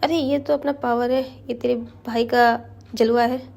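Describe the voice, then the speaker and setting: A brash young woman full of street-slang swagger, as a woman storyteller puts her on. Her voice sits high and soft-edged, and it tumbles into stammers when she is caught out. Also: fairly even intonation, a little slow, vocal fry. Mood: cocky, teasing. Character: brash tapori-talking young woman, cocky.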